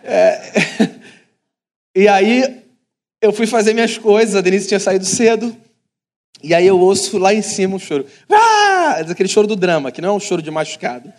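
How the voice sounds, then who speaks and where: A man in his thirties from Brazil, preaching a sermon and telling a family story with animated delivery. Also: sits high, normal speed. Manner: animated storytelling, acts out voices. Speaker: pastor.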